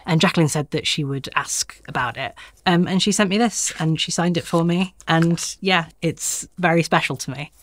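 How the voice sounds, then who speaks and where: A young man in his twenties, chatty with quick asides, talking as an interviewee. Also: fairly high pitch, a bit bright, slight background noise. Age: 20s. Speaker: interviewee, longtime reader.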